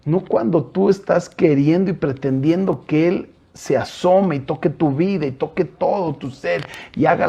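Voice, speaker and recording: A man's voice: on the high side, creaky, warm tone, husky. A male pastor with a Mexican Spanish accent, preaching an earnest sermon that keeps addressing his listeners directly, with hesitant fillers between points.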